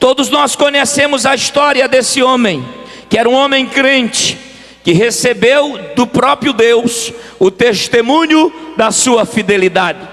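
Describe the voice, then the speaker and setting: A man at an extremely high pitch, fairly slow, with ordinary pitch variation, very even loudness and noticeable background noise. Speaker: pastor. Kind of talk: sermon. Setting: church conference with PA system.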